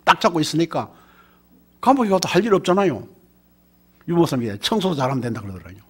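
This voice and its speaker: A middle-aged man preaching with a Gyeongsang accent, his voice rising and falling sharply as he fires rhetorical questions at the congregation. His tone is husky, with pitch a little above the usual for a man. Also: sing-song, fast talker. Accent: Gyeongsang Korean. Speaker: pastor. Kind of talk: sermon.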